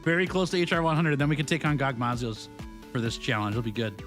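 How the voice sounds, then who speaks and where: Animated, laughing male game streamer. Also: mid-range voice, quick pace, music in the background. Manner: jokey, laughs often, reads chat aloud. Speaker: gaming streamer. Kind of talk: casual live-stream chat.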